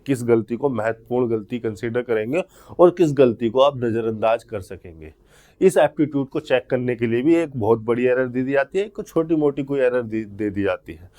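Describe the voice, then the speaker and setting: A man's voice: medium pitch, a little mellow. A man giving an exam-prep grammar lesson, who explains step by step and asks and answers his own questions. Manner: slows right down to read out example sentences word by word. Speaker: English grammar teacher.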